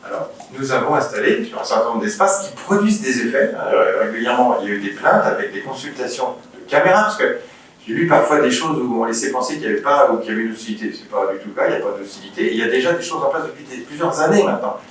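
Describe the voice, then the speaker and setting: A man's voice: medium pitch, expressive, fast, fairly bright tone. Echoey, distant Frenchman chairing a meeting. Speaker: mayor chairing a municipal council meeting. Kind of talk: formal council speech, partly improvised explanation. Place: indoor council meeting room. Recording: very echoey meeting room, distant mic, faint noise.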